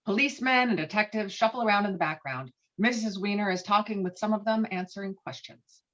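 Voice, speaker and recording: A woman's voice: medium pitch, brisk, a bit bright. Muffled woman narrator reading a script. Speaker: narrator reading stage directions.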